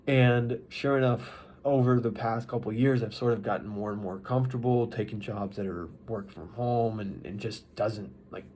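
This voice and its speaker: A man with a fairly low voice talks casually as a vlogger, recapping in a loose, unscripted way. His delivery halts and restarts as he rambles through his thoughts. There is faint ambient noise in the recording. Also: normal speed, hardly any pauses, a little mellow. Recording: noisy ambient background.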